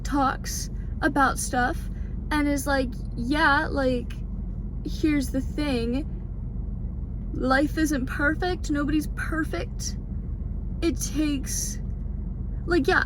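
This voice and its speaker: A woman vlogging in a casual, rambling way, frank and informal with many filler words, recorded inside a parked car. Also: high voice. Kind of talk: casual chat vlog, rambling update. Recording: clear background noise in car.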